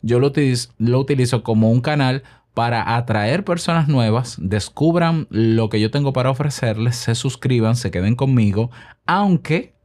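A man's voice: mid-range voice, normal speed, a little mellow. A man from the Republic, hosting his own podcast in a chatty, self-promoting way with rhetorical questions. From Dominican Republic. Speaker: podcast host. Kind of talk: solo podcast monologue.

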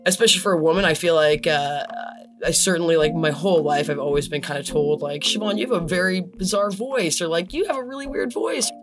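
A woman being interviewed, talking about herself in a halting way with many fillers. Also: on the low side, over music. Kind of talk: casual chat.

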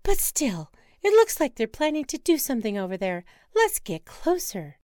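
A woman voicing an excitable, gushing wife who loves penguins. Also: sits high, moderate pace, no echo, clean studio sound, pitched above the performer's own voice. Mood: excited. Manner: gushing, squealing, giddy. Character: excitable penguin-loving middle-aged wife.

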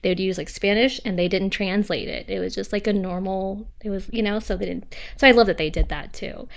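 An American woman in casual chat about a show, enthusiastic and quick to laugh. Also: medium pitch, fairly even intonation, creaky. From United States.

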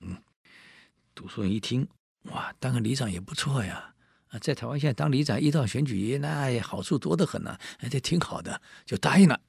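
A man telling a classic ghost story to an audience in a chatty, lively way, full of asides to his listeners. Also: mid-range voice, fairly quick, creaky, breathy edge, no echo. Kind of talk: casual oral storytelling to an audience.

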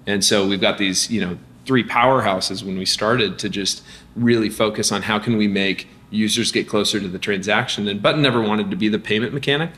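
A man, a company founder, speaking as a guest in a casual business interview, energetic with lots of restarts and fillers. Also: lowish voice, fairly quick.

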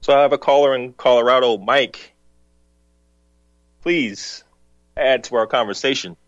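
A man hosting a call-in radio talk show, speaking in a measured, reflective way while feeling ill. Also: medium pitch, dry recording, lo-fi sound. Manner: measured, reflective, hums along with the caller.

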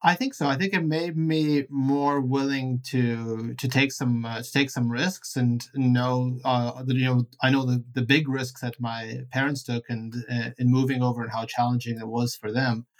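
A middle-aged man of average pitch, born in Ukraine and raised in Canada. He answers reflectively and at a measured pace, pausing and correcting himself as he goes. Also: little pitch movement. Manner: thoughtful, measured, self-correcting. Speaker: guest entrepreneur.

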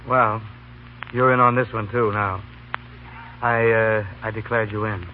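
An actor playing an earnest young American law student, halting and slangy, in a 1930s radio comedy broadcast. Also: male voice, fairly low pitch, little pitch movement, phone-quality sound, a little hiss or hum, lightly acted. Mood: sheepish, coaxing. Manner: halting, with casual collegiate slang. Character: earnest, boyish male law student helping a girl.

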